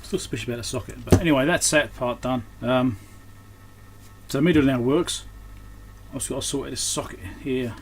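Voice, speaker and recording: Working at a bench, an electronics repairer with a brisk, mid-range voice talks through his repair casually. He mutters and thinks aloud as he goes, and background noise is clearly audible.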